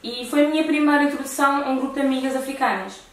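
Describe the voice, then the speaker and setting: A woman's voice: high-pitched, fairly even intonation, very fast. A woman with a European Portuguese accent chatting casually with a friend as a talk show host. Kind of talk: casual conversation between friends. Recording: very echoey room, distant mic.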